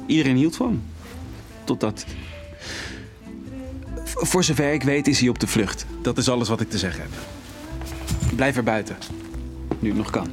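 An actor plays a jaded male club boss in an audio drama. His voice sits at a middle pitch, and he is guarded, dismissive and patronisingly familiar. Music plays clearly behind him. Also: animated, moderate pace, pauses often, natural voice. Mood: bitter, knowing.

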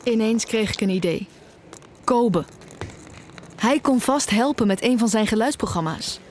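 An actress playing an anxious, restless young music student in an audio drama, narrating in terse, introspective fragments. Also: female voice, a little high, lively intonation, measured pace, slight background noise. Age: young adult. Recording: music behind the voice.

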